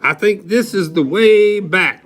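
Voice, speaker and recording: A man voicing a loud, shouty male character from a children's storybook, hollering with heavy emphasis. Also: high-pitched, measured pace, pitched above the performer's own voice. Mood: loud, excited.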